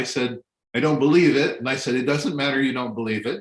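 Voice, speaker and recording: Fairly high male pitch with ordinary pitch variation, from a man. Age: 60s. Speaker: blind designer and former television producer. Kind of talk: talk. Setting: webinar. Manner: halting.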